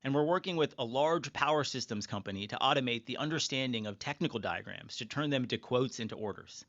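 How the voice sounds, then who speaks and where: A man of average pitch presents scripted remarks on a corporate earnings call. He is assertive and stresses his points. The recording is dry and a little dull, like a conference line. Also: fast, fairly bright tone, dry recording.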